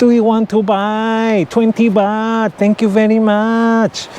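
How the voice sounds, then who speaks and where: A put-on character voice, whiny and fairly high in pitch, moves at a fairly slow pace. Its intonation stays flat and monotone, with clear background noise behind it. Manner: insistent, pestering.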